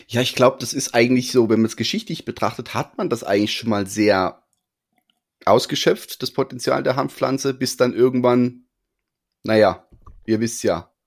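A man's voice: mid-range voice, fairly even intonation, gravelly. A man co-hosting a casual interview, playful and joking as he talks. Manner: playful, joking, quick to laugh. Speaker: podcast co-host.

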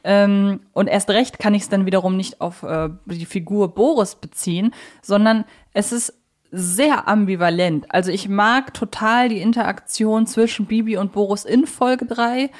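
Woman, mid-range voice, podcast host, conversational, analytical, deliberate phrasing. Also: medium pitch. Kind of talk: casual podcast discussion.

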